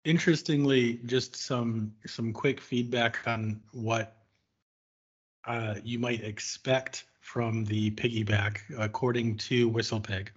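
A man's voice: medium pitch, steady tone, slow pace, husky, dull audio. A man hosting a casual whiskey tasting, thoughtful and searching for words, with frequent fillers.

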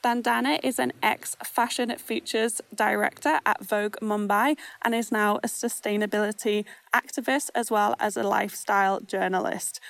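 A woman's voice: medium pitch, steady tone, normal speed, vocal fry, few pauses, a bit bright, no echo. A woman hosting a podcast interview in a bubbly, enthusiastic, encouraging way. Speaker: podcast host.

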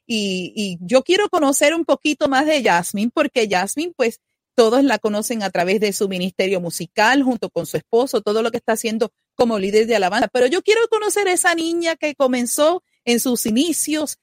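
High-voiced woman host, dry sound. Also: animated, brisk, no echo. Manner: earnest devotional delivery. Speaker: radio host. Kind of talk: scripted introduction then interview.

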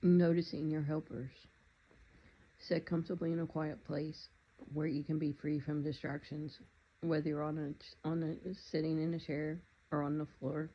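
A meditation guide leading a guided meditation in a calm, unhurried, gently instructive way. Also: medium pitch, husky, muffled recording.

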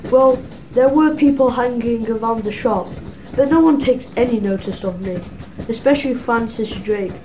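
A woman's voice: on the high side, moderate pace, a little mellow, a little hiss or hum, close to an everyday voice, rough recording. A young woman playing a cocky, stubborn male jewel thief in an amateur audio drama. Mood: smug, unworried.

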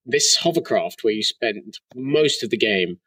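A man with a lowish voice co-hosts a relaxed podcast chat, his speech full of casual "like" fillers. His muffled mic makes him sound as if he is talking through a tin can. The voice sits back from the mic in a dry, dead-sounding space. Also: measured pace, slightly rough, no echo, distant mic. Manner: chatty, many "like" fillers. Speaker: co-host.

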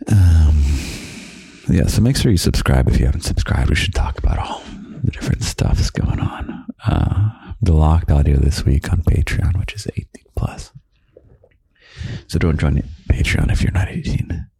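A young man hosting a podcast of gentle, half-whispered comfort talk, slow and soft with quiet chuckles, close to the microphone. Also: rumbling low, expressive, breathy edge, no echo. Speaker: podcast host.

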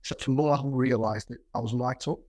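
A man's voice: medium pitch, steady tone, a little fast, darkish tone, no room sound. A middle-aged man with a stammer that makes him repeat sounds and words, speaking in a plain-spoken, conversational interview style as a business executive. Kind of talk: reflective conversational interview with anecdotes.

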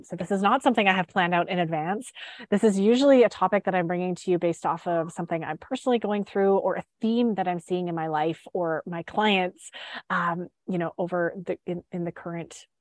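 A woman's voice: fairly low pitch, dry recording. A chatty woman hosts her show from home, talking to live viewers with lots of fillers and restarts. Her voice is stuffed up from a head cold. The sound is close and dry, with no room around it. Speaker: podcast host and sugar freedom coach. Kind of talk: casual live-stream talk.

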